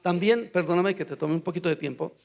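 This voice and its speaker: An older man with a Colombian Spanish accent, a pastor teaching a Bible study through lively anecdotes with acted-out dialogue. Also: high-pitched, fast, gravelly. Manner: storytelling, acts out dialogue in quotes.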